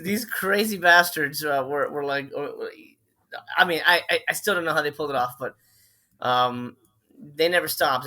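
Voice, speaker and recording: Middle-aged guy from miami, bright voice, rambly casual interview talk with lots of uhs. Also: medium pitch. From Miami, Florida. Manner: chatty, many fillers and restarts. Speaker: film director and writer, podcast guest.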